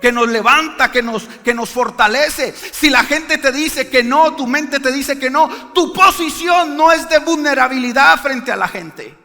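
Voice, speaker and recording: Male pastor, emphatic sermon, high gravelly voice, church hall reverb. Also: a little slow, few pauses, pushed and bright, faint music behind. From Colombia. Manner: emphatic preaching, calls for amens. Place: church sanctuary.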